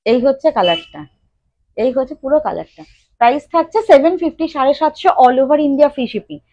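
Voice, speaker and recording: A woman's voice: high-pitched, very animated, normal speed, no room sound, dull audio. A woman with a Bengali accent hosting a live sari sale, chatting with viewers by name and repeating colours and prices. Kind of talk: live-stream sales chat.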